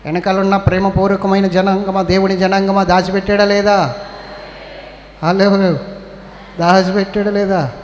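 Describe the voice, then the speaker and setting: Scolding and exhorting his congregation while calling for their response, a Telugu-accented pastor from Andhra Pradesh delivers a sermon in a reverberant church hall with faint ambience. He has a high, level-toned voice, speaks at a moderate pace, and pauses often, with slight background noise present.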